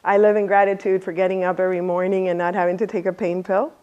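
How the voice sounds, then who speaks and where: A woman's voice: lowish voice, fast, muffled recording. Casting: woman speaker running a workshop, upbeat, laughs easily, draws the audience in with questions. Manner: lively, laughs often, asks the audience questions. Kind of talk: motivational talk to a live audience.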